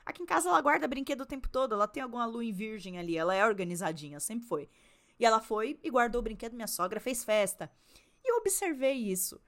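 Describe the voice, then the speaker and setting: Young São woman, podcast co-host, blunt and profane, animated pitch. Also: quick pace. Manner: blunt, swears freely, animated storytelling. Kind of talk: casual chat.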